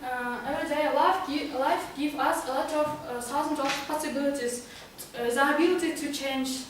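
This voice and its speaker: A woman with a Kazakh accent, a native Kazakh speaker, gives a motivational club speech. She speaks haltingly in a high voice, searching for words. The recording is very echoey and distant, with faint noise. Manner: halting, with long searching hesitations. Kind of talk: prepared amateur motivational speech. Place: meeting room, recorded from a distance.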